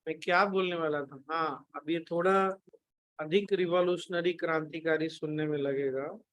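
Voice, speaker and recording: A man leads a spiritual question-and-answer session in a firm, lecturing way and brushes objections aside. His voice sits high for a man. The sound is close and dry. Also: steady tone, moderate pace, fairly bright tone, no room sound. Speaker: spiritual teacher.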